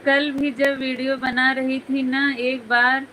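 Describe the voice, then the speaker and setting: A woman's voice: sits high, level tone, slow, bright, forceful tone, slight background noise, low-quality recording. A woman hosting a casual live stream, chatting with viewers, reading their comments aloud and teasing them by name, often breaking into giggles.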